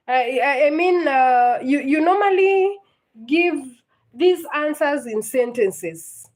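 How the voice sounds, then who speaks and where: A Kenyan woman with a high-sitting voice teaches literature in a live-streamed lesson. She is patient and repetitive, frequently checking that her students understand.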